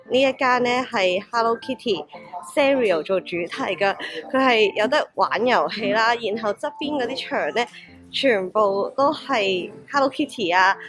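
A young woman with a Hong Kong Cantonese accent, narrating a travel vlog in a chatty, excitable way and exclaiming over food. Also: a little high. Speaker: travel vlogger. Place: restaurant table, indoors. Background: background music.

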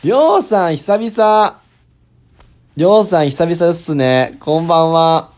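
This is a stage actor in his twenties hosting a relaxed livestream, speaking Japanese with a Kansai accent, reading comments from viewers and adding simple English here and there. He speaks slowly and animatedly, with a fairly high, slightly mellow voice. The phone is close to him as he lies on a bed in a small bedroom or hotel room.

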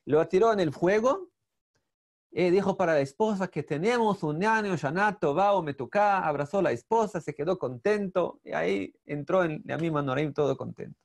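A male rabbi whose first language is Portuguese tells a story to his students over a video call. He speaks haltingly, often stopping to search for the right Spanish word. His voice sits fairly high and is noticeably gravelly. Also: lively intonation. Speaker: rabbi teacher. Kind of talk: online storytelling lesson.

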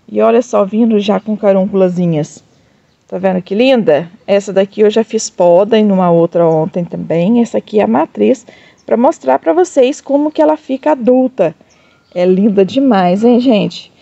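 A Brazilian woman showing off her succulents in a casual vlog, gushing over each plant and speaking warmly to her viewers. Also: medium pitch, vocal fry, dry recording, muffled recording. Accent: Brazilian Portuguese. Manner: gushing, addresses viewers as "gente", coos over plants with diminutives. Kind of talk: casual show-and-tell vlog.

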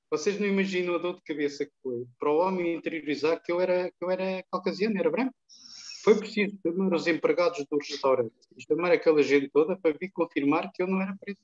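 An older man from Angola tells his stories in a calm, chatty way, his voice sitting a little high for a man. He speaks from a plain room over a video call, and the sound comes through dull and lo-fi. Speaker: guest. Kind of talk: casual interview chat, telling anecdotes. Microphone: webcam on a video call.

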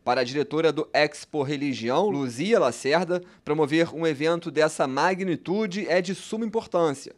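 A man's voice: fairly high pitch, moderate pace, hardly any pauses. Young Brazilian male TV reporter. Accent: Brazilian Portuguese. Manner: clear, steady reporter delivery. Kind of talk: news report narration. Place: large indoor event hall. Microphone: handheld mic.

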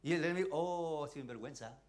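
Impassioned Chilean pastor, high voice. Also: male voice, a little fast. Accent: Chilean Spanish. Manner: impassioned, swinging between shouts and near-whispers; calls out to the congregation with rhetorical questions. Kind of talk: sermon.

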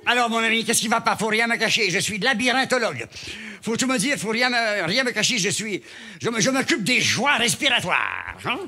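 A man voicing a pompous, fussy male doctor who talks down to his patient in a high, emphatic voice. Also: very animated, brisk, sharp tone, slightly rough, full character voice.

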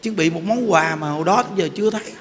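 High-voiced monk in an echoing temple hall. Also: male voice, very fast. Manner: chatty storyteller, often laughs and asks the audience "hiểu không?". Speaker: Buddhist monk giving a dharma talk. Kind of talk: informal sermon with anecdotes. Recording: reverberant hall with faint background noise.

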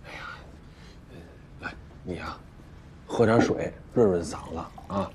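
An actor playing a hospitable husband who talks in a coaxing, reassuring, chatty way. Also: male voice, low-pitched, unhurried, background noise. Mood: placating. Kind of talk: TV drama acting.

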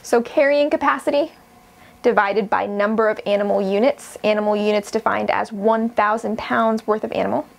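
A young woman, a shepherd, explaining grazing in a steady, practical instructional lesson, recorded indoors at a whiteboard. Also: mid-range voice, normal speed, creaky. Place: indoors in front of a wooden wall and whiteboard.

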